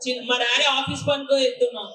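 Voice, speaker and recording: Young man with a bright, very high voice. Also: steady tone, fast, slight background noise. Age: young adult. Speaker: audience member brought on stage. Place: outdoor event stage. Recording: echoey PA sound.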